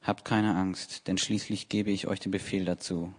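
A man's voice: low-pitched, little pitch movement, normal speed, husky. A man reading the lines of a cool, commanding young prince, firm and plain.

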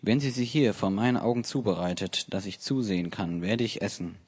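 A crafty male adviser giving coaxing advice in a scripture reading, voiced by a man in his own low voice. The delivery stays plain and steady. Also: brisk, breathy edge.

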